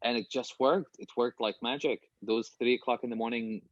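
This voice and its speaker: A man's voice: mid-range voice, fairly even intonation, brisk, no room sound, highs cut off. A man from Syria speaking informally and candidly as a guest author in a casual interview over a video call from a small home office.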